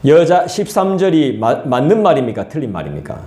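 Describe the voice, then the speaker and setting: A male pastor, preaching an expository sermon in a lively, colloquial way and talking straight to the congregation. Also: fairly high pitch, brisk. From South Korea. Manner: lively, colloquial, acts out scolding voices and asides to the congregation. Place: church sanctuary. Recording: echoey church hall.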